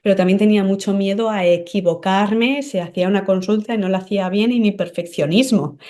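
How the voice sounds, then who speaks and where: A woman in a podcast conversation who speaks at a middling pitch with an earnest, explanatory manner. She walks through her ideas step by step, regularly checking in with the listener with short questions, in the steady tone of someone used to giving spiritual guidance. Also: brisk. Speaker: medium and psychic guest.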